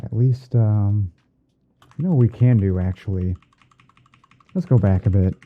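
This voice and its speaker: A man playing a gentle, easygoing TV painting instructor in a halting, murmured ASMR livestream roleplay. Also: lowish voice, phone-quality sound, lightly acted. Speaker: livestream host. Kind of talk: ASMR roleplay livestream while editing images.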